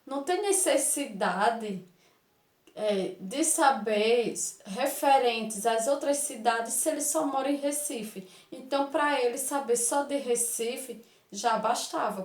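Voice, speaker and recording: Brazilian woman teacher, high, echoey room. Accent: Brazilian Portuguese. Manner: affectionate, explaining slowly with frequent "certo?"; reads dialogue aloud with expressive intonation. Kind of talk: online Portuguese lesson for children.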